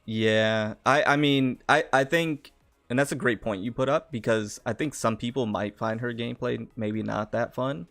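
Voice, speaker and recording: Gravelly-voiced man talking games. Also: mid-range voice, steady tone, normal speed, fairly bright tone, soft background music. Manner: emphatic, says bro, laughs easily. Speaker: streamer guest. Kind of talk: casual gaming livestream chat.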